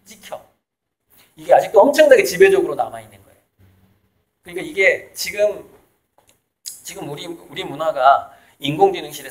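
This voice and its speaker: A man from South Jeolla talking in a casual, emphatic way as an interviewee, making his points with laughs in between. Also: fairly high pitch. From South Jeolla, Korea. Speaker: artist and author, interviewee. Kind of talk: casual conversational lecture.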